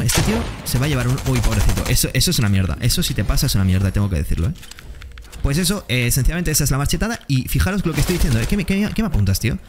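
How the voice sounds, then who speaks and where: A man giving excitable, slangy commentary while playing a game. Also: medium pitch. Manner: excitable, slangy, quick exclamations to opponents. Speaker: gaming streamer. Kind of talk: gameplay commentary. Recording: gameplay noise and gunfire behind.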